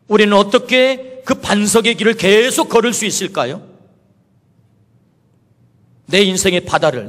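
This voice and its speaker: A man's voice: sits high, fairly bright tone. A male pastor preaching a sermon, asking many rhetorical questions and quoting Jesus in a personal, spoken manner. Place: church sanctuary. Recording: reverberant church hall.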